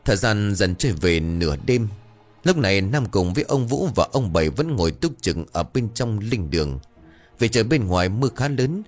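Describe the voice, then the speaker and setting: Male storyteller, low and animated, ghost story narration over faint background music. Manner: voices characters in dialogue, expressive.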